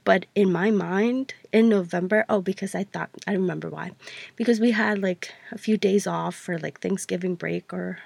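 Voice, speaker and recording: Chatty woman with a gravelly, dry voice. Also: lowish voice, fairly even intonation, moderate pace, a little mellow, no room sound. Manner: chatty, rambling, self-correcting with many fillers. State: stuffy-voiced from allergies. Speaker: podcast host. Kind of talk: casual solo podcast talk.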